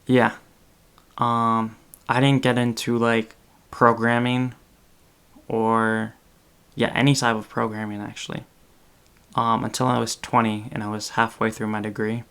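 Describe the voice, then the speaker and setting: A man's voice: mid-range voice, little pitch movement, a little slow, pauses often, fairly bright tone, clear, resonant tone. A man in his twenties, a podcast host talking in casual chat on a video call, rambling with many fillers and self-corrections. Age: 20s. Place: small room indoors.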